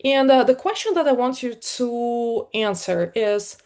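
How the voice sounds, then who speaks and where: A middle-aged woman from Ukraine with a Ukrainian accent, giving a conversational conference talk as a product leader, with many fillers and an energetic delivery. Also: on the high side, measured pace. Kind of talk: live talk to an online meetup.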